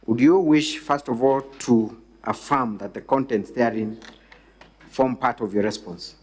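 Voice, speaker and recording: Male counsel, Kenyan accent, average pitch, formal courteous examination in deliberate short phrases. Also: a little mellow, husky. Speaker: defence lawyer questioning a witness.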